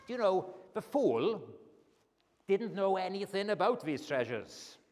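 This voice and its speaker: Slow Welsh preacher, echoing church. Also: male voice, sits high, very animated, darkish tone. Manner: earnest, emphatic, rising on key phrases. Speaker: guest preacher. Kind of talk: evening sermon. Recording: long church reverb.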